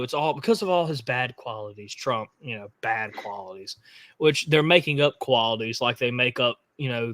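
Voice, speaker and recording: Fiery Southern man with a bright voice. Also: mid-range voice. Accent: Southern US, Mississippi. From Mississippi, US South. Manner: fiery, rambling, repeats words when starting sentences. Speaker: podcast co-host. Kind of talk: casual political podcast chat.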